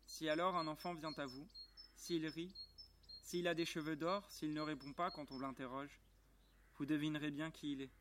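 A man reads a storybook aloud in a calm, measured and quietly moved voice that sits a little high for a man. He was recorded outdoors in a garden, with faint outdoor ambience and birdsong behind him. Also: slight background noise. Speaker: reader.

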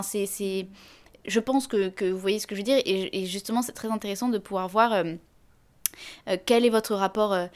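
A woman hosting a podcast interview, asking long, winding questions full of hesitations and fillers. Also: medium pitch. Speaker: podcast host. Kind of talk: conversational interview.

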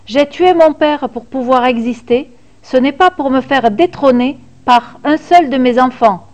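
A woman's voice: high-pitched, unhurried, darkish tone. A woman voicing cruel, deceitful Titan father. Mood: cold. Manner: growling, commanding.

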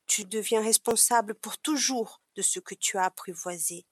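Brief: woman voicing a wise gentle fox, solemn and slow, dry close sound. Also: medium pitch, breathy edge, no echo, lightly acted.

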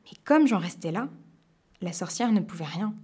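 A woman storyteller reading a children's tale aloud with lively expression. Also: fairly low pitch, moderate pace, slightly rough.

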